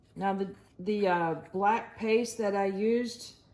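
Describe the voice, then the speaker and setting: Speaking at a fairly slow pace, a woman with a medium pitch and fairly even intonation is heard with audible room echo and noticeable background noise. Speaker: resin artist. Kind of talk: tutorial. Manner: casual.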